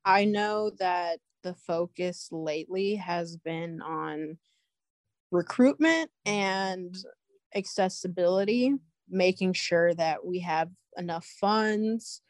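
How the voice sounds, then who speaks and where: A young woman giving anonymous interview answers, her voice disguised and pitched down to hide her identity, speaking slowly with fillers. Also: darkish tone, no room sound. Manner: slow, measured, with fillers like "um" and "like".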